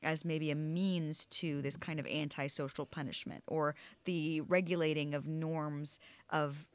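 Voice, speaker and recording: A woman's voice: low-pitched, fairly even intonation, a little slow, no room sound. A woman interviewer asking casual, loosely phrased questions in a conversational way.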